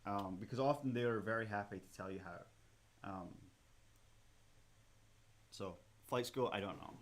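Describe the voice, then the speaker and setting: A man with a Scottish accent chatting casually as a museum livestream host while building a model kit, rambling with many fillers and restarts. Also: a little slow. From Scotland. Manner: animated, with sudden rises in pitch and loudness when excited.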